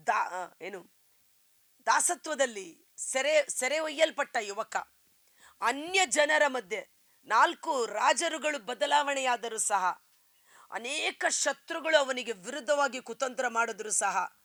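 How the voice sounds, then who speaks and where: Fervent woman preacher with a forceful voice. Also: on the high side, no echo. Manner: fervent preaching, swelling emphasis on key phrases. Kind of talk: Christian sermon.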